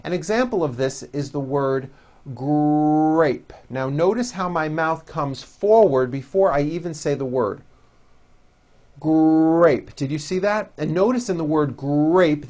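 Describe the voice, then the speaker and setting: A man teaching English pronunciation, modeling words and sentences slowly and deliberately for learners to repeat. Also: on the high side, lively intonation, darkish tone. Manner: slow, deliberate, over-articulated model words. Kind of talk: pronunciation drill lesson.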